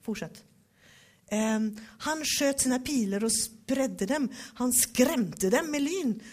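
A woman giving a devotional Bible teaching, reading verses slowly and with emphasis, then talking them over. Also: sits high, animated, darkish tone.

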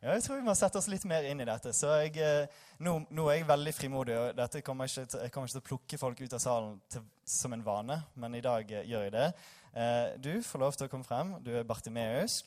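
A man's voice: mid-range voice, few pauses, darkish tone. A tired young man giving an informal sermon in a church hall, joking with the congregation and reading scripture aloud. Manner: self-deprecating, joking, chatty with the congregation. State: tired after little sleep. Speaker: preacher.

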